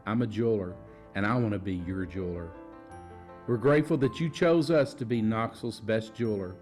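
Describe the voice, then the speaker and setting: A man reading a local jeweler's radio ad in a sincere sales pitch. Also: fairly quick, darkish tone, faint music behind. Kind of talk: radio ad read.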